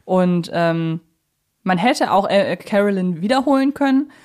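A woman's voice: medium pitch, lively intonation, a little slow, darkish tone. A woman hosting a podcast, chatting casually about fictional characters in a conversational discussion. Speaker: podcast host.

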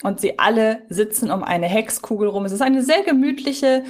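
A woman's voice: a little high, lively intonation, normal speed, darkish tone. A woman hosting a podcast, casually discussing audio dramas in conversation. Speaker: podcast host.

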